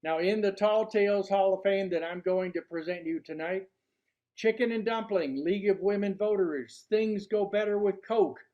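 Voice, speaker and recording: An older man speaks to a club in a notably high voice. His delivery is deliberate and theatrical, built like a prepared workshop speech. The recording sounds muffled and low in fidelity. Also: mellow. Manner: deliberate, showman-like delivery with rhetorical questions. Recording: dull, lo-fi sound.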